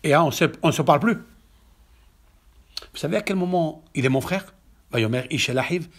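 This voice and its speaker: A man with a French accent, a rabbi giving a lively Torah lecture to a congregation, swinging from hushed asides to emphatic exclamations and checking whether his listeners follow. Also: fairly high pitch, moderate pace. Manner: asks the audience questions to check understanding. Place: synagogue hall.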